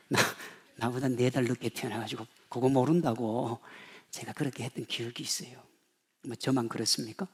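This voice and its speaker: A pastor in his fifties preaching a sermon, swinging from loud emphasis to hushed asides and acting out quoted voices. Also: mid-range voice, fairly even intonation, moderate pace, slightly rough. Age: 50s.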